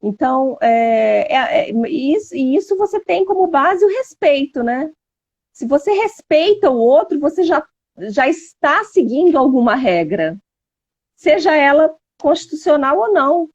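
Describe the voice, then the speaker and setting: A woman's voice: high voice, a little slow, no echo, muffled recording. A woman chatting casually as a guest on a live stream, acting out conversations with her daughter. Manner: animated, acts out talks with her daughter.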